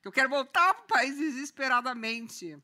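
A woman's voice: high-pitched, moderate pace, pushed and bright. A woman guest in a comedic interview, talking in a dramatic, self-mocking way. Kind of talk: casual comic chat.

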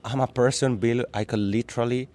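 A man from the Italian-speaking part of Switzerland, Italian native speaker with a Swiss Italian accent, chatting as a podcast guest in a lively way, often restarting words. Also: medium pitch, a little fast. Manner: lively, laughs easily, repeats words when restarting. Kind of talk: casual interview.

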